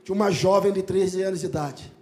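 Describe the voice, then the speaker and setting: Very high-voiced pastor. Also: male voice, fast talker, soft background music. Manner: lively, animated, bursts into shouting and laughter. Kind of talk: sermon storytelling.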